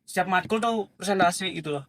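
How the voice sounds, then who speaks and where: A man's voice: sits high, fast talker, fairly bright tone. A young man from Central Java, a first-year student guest who talks in a joking, laid-back way. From Pati, Central Java, Indonesia. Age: young adult. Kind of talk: casual chat.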